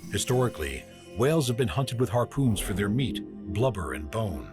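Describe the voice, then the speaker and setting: A man giving scripted nature documentary narration in a measured, dramatic way, with grand descriptive phrasing. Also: lowish voice, very animated. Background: music behind the voice.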